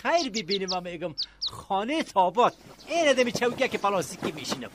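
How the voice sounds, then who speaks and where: A folksy, good-hearted village man with an Afghan accent, gushing blessings in colloquial speech. His delivery swings widely in pitch, over faint noise, in radio drama style. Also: sing-song. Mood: effusive, admiring. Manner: effusive, colloquial, repeats pet phrases.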